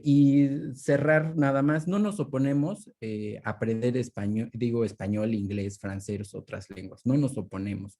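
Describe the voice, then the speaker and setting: A man from Mexico whose first language is Mixe speaks earnestly as a panelist, with a mellow, warm tone. He talks in a measured way, often restarting his words over a video call. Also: mid-range voice. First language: Ayuujk (Mixe). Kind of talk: panel discussion answer.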